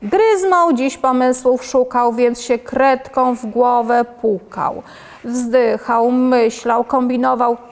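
A woman reading rhymed children's poems aloud in a lively, expressive storybook manner. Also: fairly high pitch, slow, big-room sound. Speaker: children's book reader.

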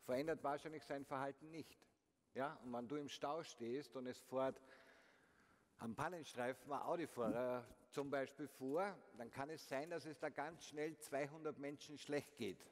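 A man's voice: mid-range voice, normal speed. A man giving a motivational conference talk, speaking to the audience directly and using frequent rhetorical questions. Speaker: keynote speaker. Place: large concert hall stage. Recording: long hall reverb, faint noise.

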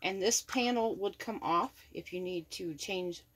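A woman's voice: mid-range voice, unhurried. A woman giving a chatty, upbeat unboxing review of a tool in her home workshop, talking from behind the camera. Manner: chatty, upbeat, repeats praise. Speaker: product reviewer.

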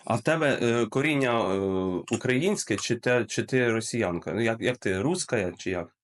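Male streamer, Ukrainian accent, pokes with blunt questions, mid-pitched voice, video call. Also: normal speed. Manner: probing questions, terse acknowledgements. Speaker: streamer, host. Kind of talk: casual chat.

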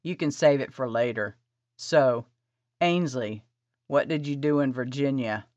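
A woman voicing a kind young husband with a lowered, soft, plain voice. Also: unhurried, no room sound. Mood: gentle. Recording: slightly dull dry recording.

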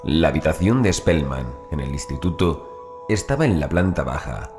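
Horror audiobook narrator: man with a very deep voice, formal measured delivery, over music. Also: expressive. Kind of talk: scripted horror story narration.

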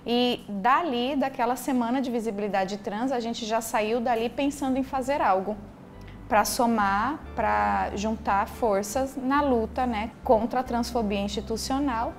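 Higher-voiced woman professor. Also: a little slow, a little hiss or hum. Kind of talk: interview.

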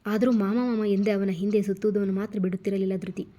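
Woman telling a romance story, steady pace, warm mellow voice. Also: mid-range voice, a little fast. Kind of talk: scripted story narration.

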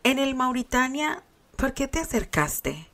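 A woman's voice: high voice, very animated, measured pace, a bit bright, pitched above the performer's own voice, exaggerated voice. Terry: tender teasing young man, read by a woman, storybook reading.

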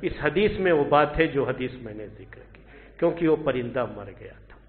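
A man giving a Friday sermon in a mosque, earnest and repetitive, now hushed, now loud. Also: medium pitch, lively intonation, normal speed. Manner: earnest, repeating points and swinging from soft to loud. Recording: tinny phone-like audio.

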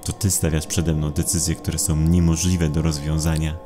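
Mężczyzna grający w słuchowisku grozy młodego, zrozpaczonego chłopaka, który z goryczą oskarża. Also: male voice, very deep voice, flat delivery, normal speed, music in the background. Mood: bitter, anguished. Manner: bitter, emotional, accusing. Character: anguished, accusing young man bound by a pact. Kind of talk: audio drama horror acting.

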